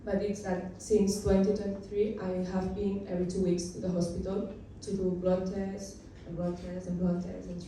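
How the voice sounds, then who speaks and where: Dark-voiced young woman in an echoing hall. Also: fairly low pitch, slight background noise. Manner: plain, halting. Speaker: patient speaker on a panel. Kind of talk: personal story at a symposium. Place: conference hall. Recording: echoey hall from far off.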